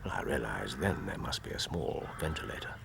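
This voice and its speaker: A clipped, commanding detective; very low, gravelly voice, faint noise behind. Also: male voice, very animated, a little fast, heavily acted. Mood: hushed. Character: sharp, commanding male detective, middle-aged. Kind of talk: radio drama acting.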